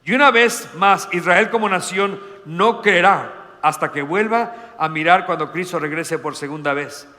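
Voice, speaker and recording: A male pastor preaching a sermon, swinging between loud emphatic lines and hushed, slow ones. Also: sits high, big-room sound.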